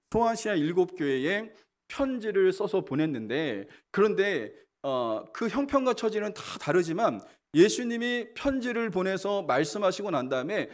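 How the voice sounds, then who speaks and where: A man, a senior pastor, preaching a sermon that opens with a story and speaks directly to the congregation. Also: fairly high pitch. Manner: storytelling, animated delivery, addresses congregation directly.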